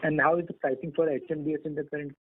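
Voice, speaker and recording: A man's voice: a little high, little pitch movement, racing, a little hiss or hum. A man, an analyst putting questions on an earnings call over a tinny phone line.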